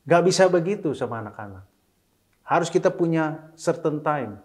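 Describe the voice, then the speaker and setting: A middle-aged man talks casually as an interview guest, his voice sitting a little high. He slips English phrases into his speech. He turns animated when he quotes his children. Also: normal speed. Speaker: interview guest, single father.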